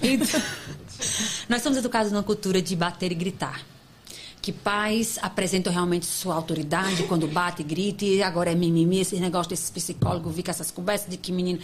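A woman psychologist, a podcast guest, explaining in an emphatic, animated way with sudden high exclamations. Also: a little fast, slight background noise. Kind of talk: podcast interview talk.

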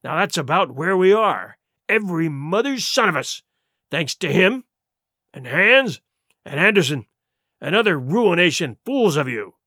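A man's voice: fairly high pitch, sing-song, a little slow, bright, forceful tone, no echo, clean studio sound, exaggerated voice. A man voicing a cunning, scornful pirate sea cook in an audiobook, with emphatic, sarcastic speech in rustic nautical dialect. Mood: scornful, heated. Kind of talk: audiobook character acting.

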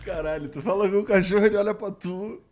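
A man's voice: sits high, fast, darkish tone. A man from Rio hosting a casual interview, blunt and slangy, with a laid-back delivery. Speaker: host.

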